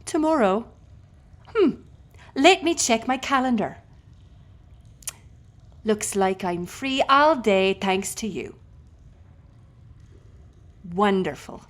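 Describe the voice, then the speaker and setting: Woman acting as a female sea captain, defiant, sardonic, biting, unhurried pace, roleplay audio drama. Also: medium pitch, lively intonation. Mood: mocking, contemptuous. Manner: sarcastic, wordy, biting. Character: defiant, sardonic, foul-mouthed female ship captain held prisoner.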